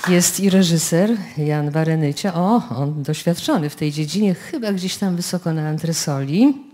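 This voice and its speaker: Low-pitched woman presenting, noisy live recording. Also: moderate pace, mellow. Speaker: radio host. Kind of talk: live stage introduction of a radio play to an audience. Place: music radio studio with an audience.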